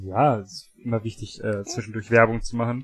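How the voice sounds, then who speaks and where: Somewhat breathy, a man at a medium pitch speaks at a moderate pace with monotone, flat intonation. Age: 20s. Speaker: podcast co-host, university student. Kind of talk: casual chat. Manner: hesitant with many fillers.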